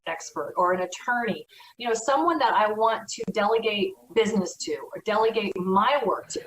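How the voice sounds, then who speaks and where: An American real estate broker offers earnest, conversational advice in an educational talk. Her voice is medium-pitched and fairly bright, recorded from far off in an echoey room.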